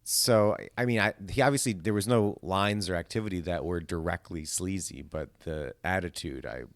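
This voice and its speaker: A man's voice: low voice, moderate pace, no echo, clean studio sound. A man chatting casually as a podcast guest, joking and self-deprecating. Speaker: podcast guest, stage actor. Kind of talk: casual chat.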